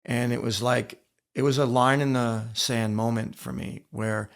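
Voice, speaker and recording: Gravelly-voiced man telling stories emphatically. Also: mid-range voice, fairly even intonation, a little slow. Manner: emphatic, repeats phrases for weight. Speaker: interview guest, former wrestler and coach. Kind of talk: candid storytelling in a podcast interview.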